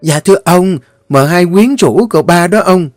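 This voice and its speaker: A man doing a shrill scheming servant girl. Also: normal speed, no echo, studio quality, faint music behind, natural voice. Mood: accusing. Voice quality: shrill, piercing, whiny. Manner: loud accusing wails.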